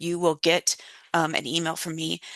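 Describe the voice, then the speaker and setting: A woman speaks with a fairly low pitch and a bright, sharp tone. The sound is dry and close, with no echo. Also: quiet background. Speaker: webinar presenter. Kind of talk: webinar presentation. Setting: online webinar. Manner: fast; casual with many fillers.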